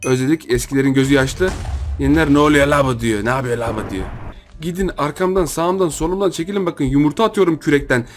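A young man with a slightly high voice runs a casual let's-play, joking with his viewers and chattering over each move. He pleads with the game by repeating the same phrase again and again. Faint game music plays under his voice. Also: quick pace. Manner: joking, playful, talks to viewers. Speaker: gaming channel host.

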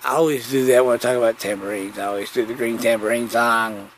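A man's voice: mid-range voice, steady tone, fast talker, a little hiss or hum. A man chatting casually on his own as a podcast host, folksy and digressive, often circling back to repeat his phrases. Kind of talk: rambling casual solo chat.

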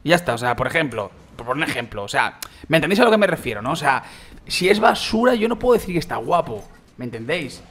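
A young man with a Spain Spanish accent doing excitable gameplay commentary, swearing and exclaiming loudly. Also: mid-range voice, rapid-fire. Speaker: gaming youtuber.

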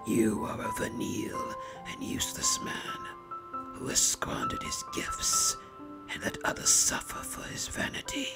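A man voicing a menacing spider lord in a storybook tale, calm and patient, in a dry, dusty, raspy whisper. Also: loud music behind the voice, close to an everyday voice. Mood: cold contempt. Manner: calm, slow, deliberate menace.

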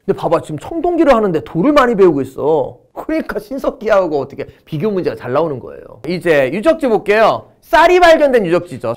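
A middle-aged man teaching an exam-prep history lecture, playful and animated, acting out little skits to help students memorize. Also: sits high.

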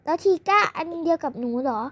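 A child voicing a gentle, doting mother of two girls, coaxing and scolding softly in a pretend play. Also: extremely high pitch, lively intonation, fast talker, heavily acted.

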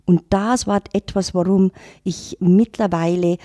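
Middle-aged woman on a podcast, low mellow voice, reflective storyteller. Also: fairly even intonation, unhurried, no echo. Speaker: intercultural trainer, guest. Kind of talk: casual podcast talk.

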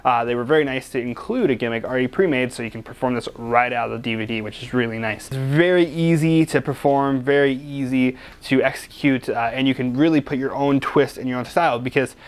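A man's voice: mid-range voice, a little fast, few pauses, smooth. A young man hosting a magic product review, chatty and joking, rambling with lots of restarts and fillers.

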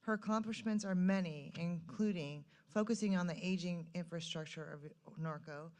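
A woman with a fairly low voice addresses a civic meeting. She reads prepared remarks in a formal register, as a member of the public would at a podium. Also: normal speed, a little mellow. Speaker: public commenter. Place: city council meeting room, at public podium.

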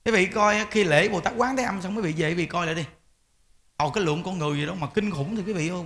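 A man's voice: high voice, sharp tone, a little hiss or hum. A man, a Buddhist monk, giving an informal, emphatic dharma talk to lay followers. He repeats words and often speaks to his listeners directly.

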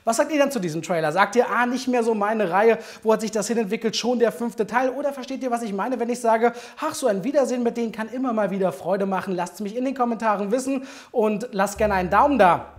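High-voiced young woman chatting as reviewer. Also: quick pace, hardly any pauses. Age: young adult. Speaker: film trailer reviewer, host. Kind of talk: chatty video commentary.

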